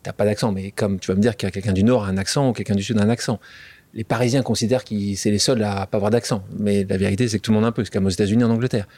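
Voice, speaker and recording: A man interviewing a guest, briskly prompting him and summing up his thoughts. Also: lowish voice, fairly even intonation, warm tone, dry recording. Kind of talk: interview questions.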